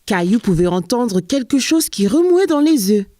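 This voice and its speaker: A woman narrating a children's cartoon in a gentle, even storytelling voice. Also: fairly high pitch, normal speed, no echo.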